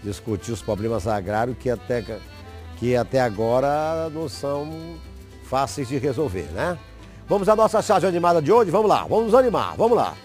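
A man's voice: medium pitch, animated, moderate pace, darkish tone, faint music behind. Chatty man hosting local TV show. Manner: chatty, folksy, affirming. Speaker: TV show host. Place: TV studio set. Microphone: lapel mic.

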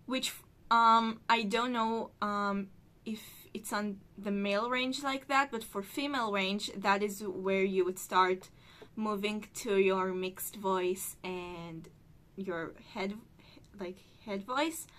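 A woman's voice: medium pitch, slow, fairly bright tone. A woman reacting to a song and explaining vocal technique like a voice teacher, with lots of filler words. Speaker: music reaction reviewer. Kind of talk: casual reaction commentary. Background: song playing faintly.

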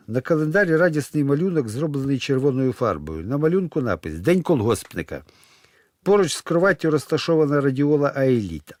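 A man reading a comic play aloud, moving between plain stage directions and loud character lines. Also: mid-range voice, no room sound, studio quality. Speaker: narrator reading a play with all its voices.

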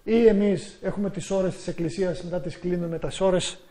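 A man preaching a sermon in an emphatic way, rising to loud exclamations. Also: high-pitched, steady tone.

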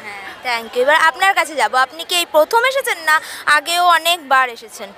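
A young woman with a Bengali accent, hosting a lively vox pop street interview with a handheld mic outdoors. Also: high voice, brisk, a little hiss or hum. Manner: lively, chatty presenter. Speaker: street reporter and host. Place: crowded churchyard lawn outdoors. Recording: outdoor crowd in the background.

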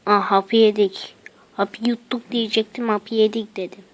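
Speaking at a measured pace, this woman has a medium-pitched voice that barely rises or falls. As a gaming channel host, she explores a game map in let's play style, exclaiming, muttering, and using slang along the way.

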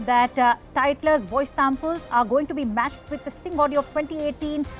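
A woman's voice: high voice, moderate pace, soft background music. A woman with an Indian accent presenting live breaking news as a television anchor.

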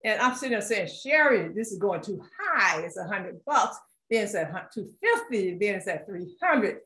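A woman's voice: mid-range voice, very animated, normal speed, sharp tone. Chatty woman in an echoey room. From Philadelphia. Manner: chatty, many fillers and restarts, laughs often. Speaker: art collector and author, guest. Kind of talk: conversational author talk.

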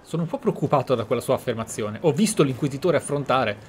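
A man's voice: mid-range voice, expressive, quick pace, a little hiss or hum. A man giving casual, musing commentary as he plays a game, thinking aloud. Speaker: gameplay streamer.

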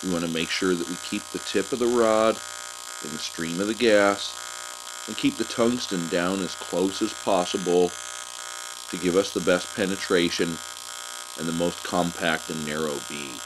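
Male welding instructor, voice-over. Lowish pitch, calm and methodical, faint hum underneath. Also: moderate pace.

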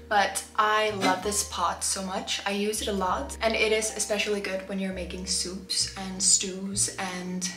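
In a casual cooking vlog, an Icelandic woman in her twenties talks excitedly as she cooks in her small home kitchen, peppering her speech with "like" and "honestly." She's a lifestyle vlogger with a medium-pitched, fairly bright voice and a roomy sound.

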